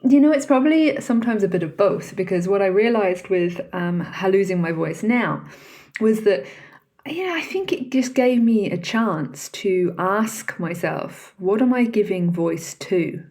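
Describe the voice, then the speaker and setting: Speaking unhurriedly, a woman with a medium-pitched, expressive, darkish voice hosts a reflective solo podcast. She talks conversationally on her own and addresses questions to the listener.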